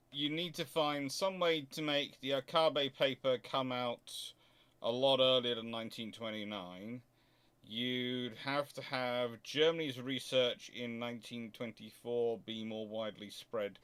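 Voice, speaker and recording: A man with a clear, resonant voice at an average pitch answers questions in an unscripted, explanatory style. He thinks aloud as he goes, pausing and hesitating, then hurrying through the next phrase. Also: steady tone, a bit bright. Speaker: host answering viewer questions on naval history.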